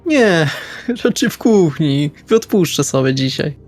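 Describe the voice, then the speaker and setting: A man's voice: a little high, big pitch swings, slow. A man playing in a tabletop role-playing session, talking casually and partly in character. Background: background music.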